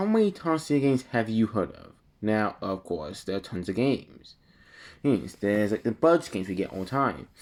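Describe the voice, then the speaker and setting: A man talks at a moderate pace with medium pitch and lively intonation. The recording is very clean, with a silent background. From Canada. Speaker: video creator. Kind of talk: casual video commentary. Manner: halting.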